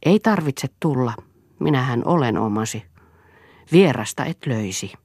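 A steadfast wife standing her ground, read by a woman in an audiobook. She speaks firmly and resolutely in a low, dry, close voice. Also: expressive, a little mellow, slightly rough, no echo, exaggerated voice. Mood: defiant. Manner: firm, resolute.

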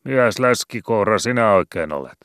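A man voicing a gruff, bossy, boastful old male sea pilot who scolds loudly and swears in rough rural speech in a storybook reading. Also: rumbling low, no echo, studio quality. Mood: gruff scolding.

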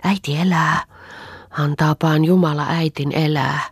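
A woman voicing an excited little peasant girl who pleads breathlessly. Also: sits low, vocal fry, slightly rough, no echo, clean studio sound, voice pushed up, heavily acted. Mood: joyful pleading.

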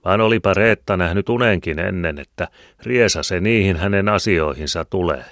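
A man narrating an audiobook in a calm, measured reading. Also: low-pitched, no room sound, clean studio sound. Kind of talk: scripted narration.

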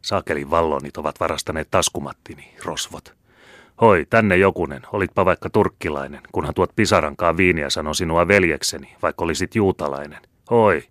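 A man plays a wounded cavalryman raving in fever, cursing and roaring orders at his men, louder and higher than the narration. The voice stays very deep underneath. The recording is dry and close. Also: no echo. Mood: raving, bellowing. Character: delirious wounded cavalryman shouting battle orders.

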